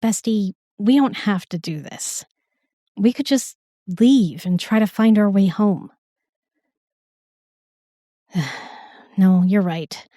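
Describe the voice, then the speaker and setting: A woman's voice: mid-range voice, takes it slowly, pauses often, mellow, no room sound, studio quality, close to an everyday voice. A woman playing a sassy, irreverent young modern woman in a fantasy audio drama, wry and chatty. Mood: warm, resigned.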